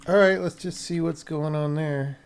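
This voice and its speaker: A man's voice: fairly high pitch, steady tone, normal speed, creaky, clean tone. A man live-streaming game development, thinking aloud casually and muttering to himself in short fragments.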